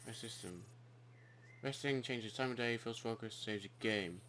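A man's voice: mid-range voice, normal speed, background noise. A young man giving casual let's play commentary, muttering and grumbling as he goes. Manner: muttering, grumbling, reads on-screen text aloud. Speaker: gaming video host. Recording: game music behind voice. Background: video game music.

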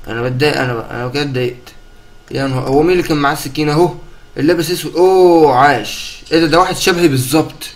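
A young man with an Egyptian accent commentating gameplay, chatty and excitable, laughing often and talking to his viewers. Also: fairly high pitch, very fast. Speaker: gaming streamer.

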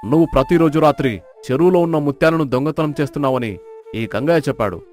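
Male actor doing a stern village elder-in-charge, commanding, slightly high voice, flute music behind. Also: fast, a little mellow, natural voice. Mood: stern, threatening. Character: stern village authority interrogating a wrongdoer. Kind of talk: dramatized moral story acting.

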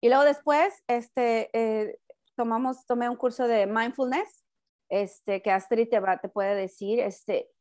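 A middle-aged woman with a Mexican accent speaks in a loud, high voice that comes close to shouting, keeping a steady tone at an unhurried pace. As a guest on a talk show she chats casually, often breaking off mid-thought and repeating herself.

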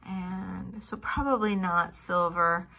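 A middle-aged woman casually showing off vintage jewelry finds, thinking aloud and trailing into soft mutters as she tests stones. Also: on the low side, steady tone, slow pace, gravelly, noisy background. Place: home office at a table.

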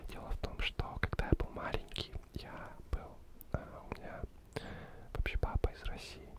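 A man in his thirties from Ukraine whispers softly and breathily, calm, unhurried and lulling, very close to the microphone as he reads and chats as an ASMR host. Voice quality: soft, breathy, indistinct whisper. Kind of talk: whispered ASMR book reading and chat. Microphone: two foam-covered microphones, very close.

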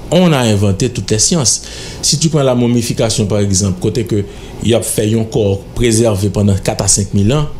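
A man's voice: lowish voice, darkish tone, a little hiss or hum. A middle-aged man with a Haitian accent, a guest in a radio studio interview, speaking in an emphatic, lecturing, insistent way into a studio microphone. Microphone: studio mic on stand.

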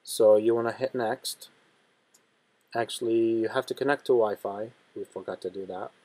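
A man hosting a step-by-step tech tutorial in a plain, steady instructional manner. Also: on the low side, normal speed. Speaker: tutorial host.

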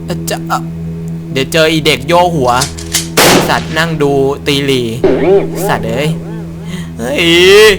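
A man hosting a horror game playthrough, talking loud, crude and excitable and shouting whenever something startles him. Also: a little high, slow, long pauses. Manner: loud, profane and excitable, yelling at scares. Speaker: gaming channel host. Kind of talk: Let's Play commentary. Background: game music.

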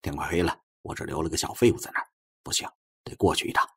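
A man voicing a sharp-witted male supernatural detective chief in an audiobook, quick, offhand and commanding. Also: rumbling low, husky, voice pushed down, heavily acted. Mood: brisk, bossy.

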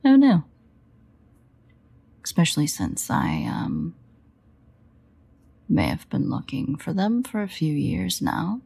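A woman playing a sardonic, guarded but fond vampire in an intimate audio roleplay, wry and hesitant in manner, with a husky, gravelly voice. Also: on the low side, huge pitch swings, takes it slowly, long pauses, warm tone, heavily acted. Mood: wry, grudging.

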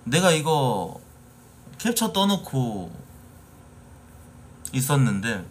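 A man's voice: medium pitch, sing-song, slow, a little hiss or hum. Angry, profane male streamer. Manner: angry, profane, rising to shouting. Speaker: live streamer. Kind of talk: casual live-stream rant.

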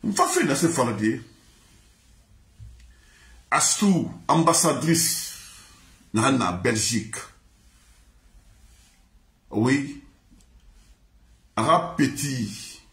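Slow sing-song man chanting. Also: mid-range voice, animated, fairly bright tone. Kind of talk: chanted song in mixed languages. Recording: echoey room.

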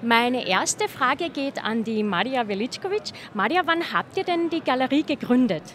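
A woman in her thirties hosts an interview at an outdoor festival, holding a handheld mic. Her voice sits a little high and moves a lot in pitch. Street noise runs clearly under her talk. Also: animated, normal speed, a bit bright. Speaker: host.

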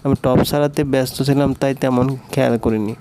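A man narrating a romantic story aloud in a steady, even storytelling manner. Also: medium pitch, brisk, heavy background noise.

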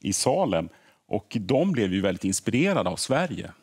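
Husky low-voiced middle-aged man explaining. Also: very animated, a little mellow. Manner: earnest, repeats words as he explains. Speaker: history podcaster guest. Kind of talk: explanatory studio interview. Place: TV morning show studio.

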